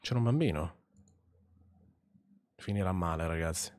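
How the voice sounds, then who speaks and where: A man giving joking, swearing commentary over a horror game, yelling when startled. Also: low voice, moderate pace, slight background noise. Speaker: gaming host. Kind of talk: horror let's play commentary.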